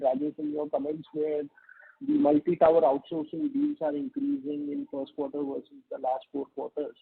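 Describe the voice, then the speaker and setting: High, very creaky male analyst. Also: no room sound. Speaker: financial analyst asking questions. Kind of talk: semi-prepared questions on an earnings call. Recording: narrow lo-fi phone line.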